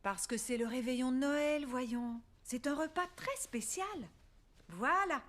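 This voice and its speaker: A woman playing a gentle, cheerful mother in a French-dubbed children's cartoon, patient and affectionate. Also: high-pitched, measured pace.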